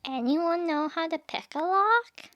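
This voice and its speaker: A woman's voice: very high-pitched, animated, unhurried, fairly bright tone, a little hiss or hum, heavily acted. A woman playing a fretful, wry female companion on a fantasy quest in scripted audio fiction. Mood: uncertain.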